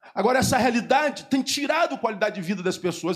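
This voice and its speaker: Extremely high-pitched male voice with lively intonation, on a very clean recording with a silent background. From Rio de Janeiro, Brazil. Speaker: pastor. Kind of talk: sermon.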